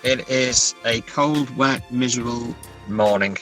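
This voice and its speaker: A man's voice: medium pitch, measured pace, fairly bright tone, faint music behind. A middle-aged man with an English accent, an author being interviewed, talking casually in a hesitant, thoughtful, understated way. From England.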